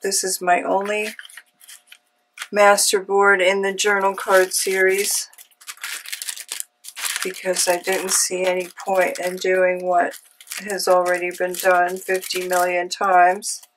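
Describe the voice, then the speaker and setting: A woman with a cold hosting a casual craft tutorial, chatty and unhurried, with frequent ums. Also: lowish voice, monotone, background noise. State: has a cold. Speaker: craft channel host. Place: home craft room.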